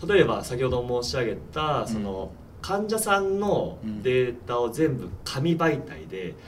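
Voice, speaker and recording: Amid audible room echo and noticeable background noise, a man with a medium pitch speaks fairly slowly, his voice moving through very wide pitch swings. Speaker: healthcare startup CEO, former TV announcer. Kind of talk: casual interview.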